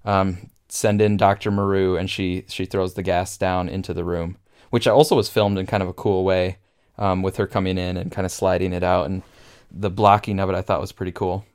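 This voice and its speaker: Low smooth-voiced guy geeking out over a movie on a podcast, lots of ums and likes. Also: flat delivery, moderate pace, a little mellow. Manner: enthusiastic, frequent fillers and laughs. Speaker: podcast co-host. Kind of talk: casual film discussion.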